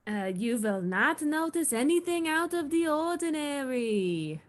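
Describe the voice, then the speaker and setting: A woman plays an anxious male vampire housemate in a comedy read. The voice sits high and swings widely in pitch, halting as he fumbles through evasive excuses. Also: sing-song. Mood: nervous. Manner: hesitant, halting.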